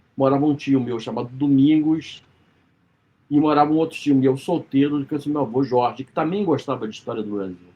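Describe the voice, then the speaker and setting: Loudness swings widely at a fairly quick pace. Pitch varies in an ordinary way. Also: man, fairly high pitch for a man. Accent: Rio de Janeiro. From Rio de Janeiro, Brazil. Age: 70s. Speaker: historian. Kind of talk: interview.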